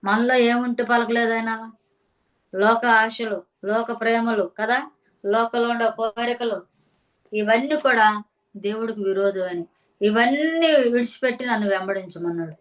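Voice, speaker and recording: Woman preacher reading scripture, slow repeating phrases, asks the listeners questions. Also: a little high, highs cut off. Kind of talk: sermon reading and explaining scripture.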